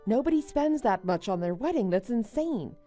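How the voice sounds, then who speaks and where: A woman's voice: on the high side, lively intonation, normal speed, dark tone, faint music behind, lightly acted. A woman playing a level-headed young married woman, a betrayed friend who answers firmly and with exasperation in a story drama. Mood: shocked. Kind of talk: melodramatic animated-story voice acting.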